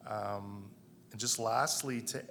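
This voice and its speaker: A man giving an informal acceptance speech in a halting, humble manner. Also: fairly low pitch, fairly even intonation, pushed and bright, a little hiss or hum. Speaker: award recipient, sports writer.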